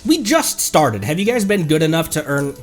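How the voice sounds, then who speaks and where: Playful man streaming, very lively pitch. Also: moderate pace, faint music behind. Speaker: game streamer, VTuber. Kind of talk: casual live game commentary, chatting with viewers.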